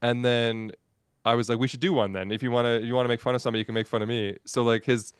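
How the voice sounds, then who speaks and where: Casting: man, smooth resonant voice, dry sound, loose rambling chat over a call. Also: medium pitch, steady tone, fast, dry recording. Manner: rambling, restarts and self-corrections. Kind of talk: casual chat on a live stream.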